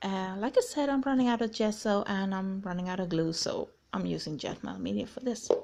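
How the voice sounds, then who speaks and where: In a Swedish accent, a woman talks at a moderate pace over a quiet background. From northern Sweden. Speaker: crafter. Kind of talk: tutorial. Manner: halting.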